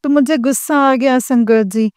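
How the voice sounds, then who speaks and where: A young woman speaks in a mellow, smooth voice that sits a little high. She is sharing a personal testimony with a congregation and earnestly keeps addressing her listeners. The recording is dry and close. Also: a little slow, no room sound. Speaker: devotee sharing experience.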